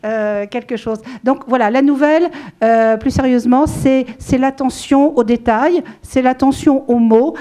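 A woman's voice: sits high, a little slow, warm tone. A middle-aged French woman talking about her writing at a book event, holding a handheld mic and speaking in a rambling way with many fillers and restarts. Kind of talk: casual spoken talk to an audience. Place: small room with a seated audience.

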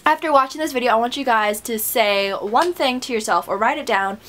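A young woman with a slightly high voice talks close to her webcam in a small bedroom, sounding a little stuffed up after a run. She rambles along in a bubbly, encouraging way. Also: a little fast, fairly bright tone. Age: young adult. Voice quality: stuffy nose. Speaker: vlogger. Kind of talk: casual motivational chat to camera.

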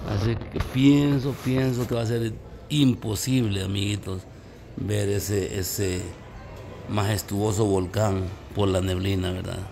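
A man from El Salvador with a Salvadoran accent, vlogging casually outdoors on a misty mountain and talking warmly to his viewers as friends. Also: fairly low pitch, creaky, noisy background. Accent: Salvadoran Spanish. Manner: chatty, addresses viewers as little friends. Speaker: travel vlogger. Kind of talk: casual vlog narration.

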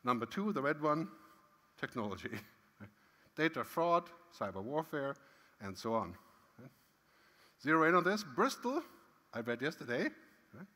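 A man's voice: fairly high pitch, sing-song, unhurried, long pauses, sharp tone. A middle-aged man giving a conference keynote on a large stage, talking in a conversational way with frequent "right?" tags and emphatic swings. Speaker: keynote speaker. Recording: long hall reverb.

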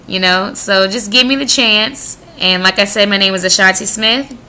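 A woman's voice: mid-range voice, normal speed, sharp tone. An American woman in her twenties from the Midwest, introducing herself informally for a radio audition in a conversational, self-promoting way. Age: 20s. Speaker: radio job applicant.

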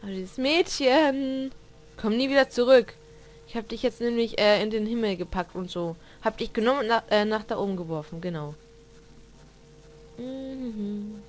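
A woman's voice: fairly high pitch, moderate pace, faint music behind. Jumpy young woman reacting to a horror game. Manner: jumpy, exclaims and cusses at the game; talks to the game characters. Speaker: let's player. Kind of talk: blind horror game commentary.

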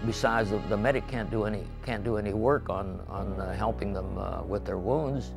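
An older man from western Pennsylvania, seated in a studio, recounting his memories in a measured, halting way with many pauses. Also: fairly low pitch, gravelly, over music. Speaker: veteran interviewee. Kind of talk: recorded oral history interview. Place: indoor studio with painted backdrop.

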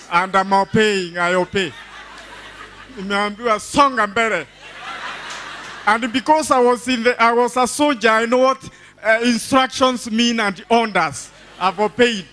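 High-pitched, forceful older Kenyan man preaching. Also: a little slow, pauses often, slight background noise. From Embu County, Kenya. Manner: exuberant, declamatory, repeats phrases for emphasis. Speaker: church testimony speaker. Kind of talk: church testimony, preaching to a congregation. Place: large church hall stage. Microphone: handheld microphone.

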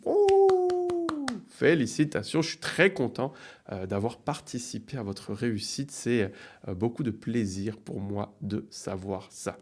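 A middle-aged man teaching a live online grammar lesson, reading example sentences slowly and cheering students on with upbeat praise. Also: mid-range voice, sing-song, a little mellow. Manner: slow, deliberate, drawn-out delivery of example sentences; upbeat praise, playful sound effects. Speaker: French teacher.

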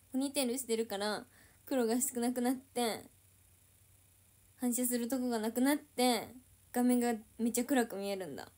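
A woman's voice: on the high side, darkish tone. A young woman idol chatting casually on a livestream, reading and answering viewer comments.

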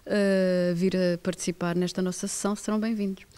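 A middle-aged woman with a European Portuguese accent, giving measured, hesitant formal answers as a mayor in an interview. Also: fairly low pitch, little pitch movement, dark tone, clear, resonant tone. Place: indoors, plain-walled room. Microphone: handheld reporter microphone.

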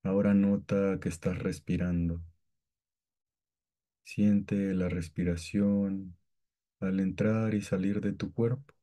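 Very slow, dark-voiced man guiding meditation. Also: sits low. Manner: calm, gentle, soothing, with long pauses. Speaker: meditation guide. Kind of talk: guided meditation, scripted instruction.

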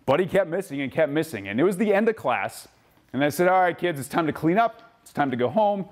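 A man talks to children at a safety camp, warm in his encouragement and acting out the kids in his story. His voice is slightly high and swings widely in pitch, rising for excitement and sinking for the quieter moments. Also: fast talker. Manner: animated storytelling, acts out kids' voices. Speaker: camp speaker. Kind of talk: motivational talk to kids. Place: outdoor camp event.

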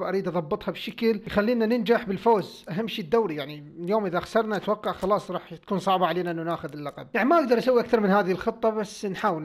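A young man with an Iraqi Arabic accent, hosting and commentating his own football video game play, often breaking into loud cheers and groans. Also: sits high. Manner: excitable, bursts into loud cheering and groans at plays. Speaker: gaming channel host.

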